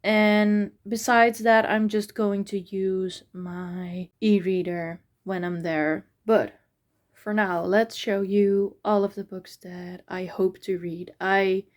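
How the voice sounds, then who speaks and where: Slow-talking woman vlogging books. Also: mid-range voice, fairly even intonation, a little mellow. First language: Dutch. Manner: hesitant, many fillers and restarts. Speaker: book vlogger. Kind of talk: casual vlog chat.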